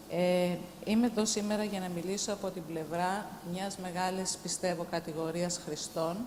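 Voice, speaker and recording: Against noticeable background noise, a woman with a Greek accent talks at a moderate pace in a fairly low pitch with monotone, flat intonation. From Greece. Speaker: healthy cities network representative. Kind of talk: panel discussion.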